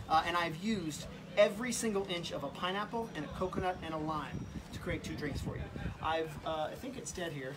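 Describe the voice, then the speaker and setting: A man talks at a very fast pace with an American accent. Noticeable background noise sits behind him. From Nashville, Tennessee. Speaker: competing bartender. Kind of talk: competition presentation. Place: bar. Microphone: camera far.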